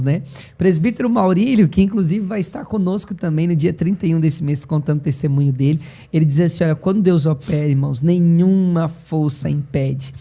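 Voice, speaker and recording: A man with a Brazilian Portuguese accent hosting a live church broadcast, reading out viewer comments warmly. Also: on the high side. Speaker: live show host.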